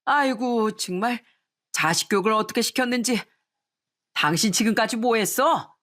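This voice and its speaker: A woman's voice: fairly high pitch, moderate pace, voice pushed up, natural voice. Woman doing a blustering, pompous father-in-law. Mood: furious. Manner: bossy, blustering, shouting. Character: pompous, hot-tempered middle-aged father-in-law. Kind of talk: radio story acting.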